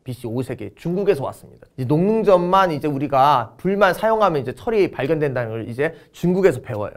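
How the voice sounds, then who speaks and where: A middle-aged man teaching an exam-prep history lecture, playful and animated, acting out little skits to help students memorize. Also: a little high, fast.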